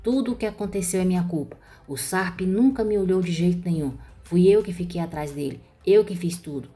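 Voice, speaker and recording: A woman's voice: lowish voice, brisk, warm tone, natural voice. A woman voicing a young woman who confesses and begs her sister's forgiveness, in a pleading tone. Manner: pleading, remorseful.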